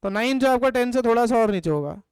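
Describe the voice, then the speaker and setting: A man teaching a live economics class in a notably high, smooth voice. He keeps firing questions at his students and makes them answer back in chorus. The sound is dry and close. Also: expressive, quick pace, a little mellow, no echo. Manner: drills points with call-and-response. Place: classroom or home studio.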